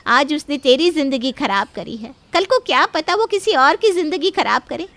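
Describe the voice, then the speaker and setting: A woman voicing characters in an audio story with a stern, forceful delivery. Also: high-pitched, lively intonation, normal speed, no echo. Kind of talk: dramatic storytelling dialogue.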